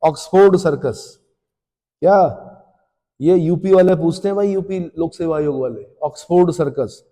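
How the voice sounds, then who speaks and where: A man teaching an exam coaching class, firing off quiz questions and answering them himself, brisk and scolding. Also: a little high, warm tone, in a large hall. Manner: drills students with questions and answers. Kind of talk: rapid-fire exam coaching lecture.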